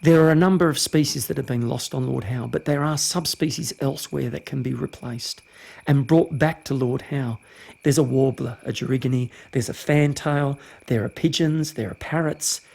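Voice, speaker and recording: A man's voice: mid-range voice, normal speed, vocal fry, darkish tone. A man speaking earnestly and passionately as a conservation expert in a documentary interview.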